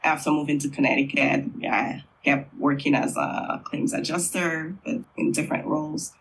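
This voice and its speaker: A middle-aged man from Haiti, a Creole language teacher, answering interview questions in an unhurried, thoughtful way with frequent fillers. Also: a little high, fairly even intonation, vocal fry, fairly bright tone, breathy edge, poor audio.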